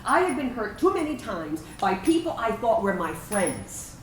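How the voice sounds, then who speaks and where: A woman's voice: mid-range voice, big pitch swings, moderate pace, close to an everyday voice. A woman acting in a staged reading as a trans veteran and their inner self, reminiscing conversationally, wounded yet playful. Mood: sad, hurt. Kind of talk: staged reading of a personal narrative play. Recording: roomy, distant microphone, faint background noise.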